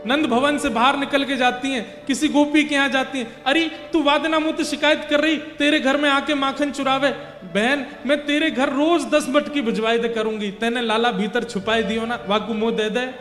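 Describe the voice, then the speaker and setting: Brief: frail old blind mother voiced by a man, scolding and pleading, rustic dialect, high voice, echoey hall. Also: steady tone, moderate pace, hardly any pauses, fairly bright tone. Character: very old blind mother searching for her son. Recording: echoey hall with faint music.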